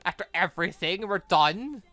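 A woman's voice: on the low side, moderate pace, no echo. A young woman streaming a visual novel, reading the lines aloud and chatting about the story. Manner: chatty, animated, reads character lines in her own voice. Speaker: let's play streamer.

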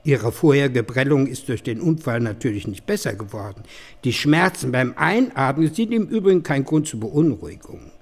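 A man playing a polite, secretive doctor with a measured, sinister manner in a horror audio drama. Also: mid-range voice, animated, natural voice. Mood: calm, polite. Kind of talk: German horror radio drama acting.

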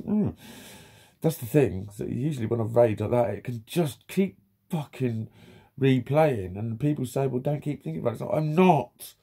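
The voice is male and medium-pitched, dark and husky with vocal fry. He's a vlogger ranting casually through a story, swearing constantly, laughing, and reenacting what others said, shot close up as he lounges in a small room.

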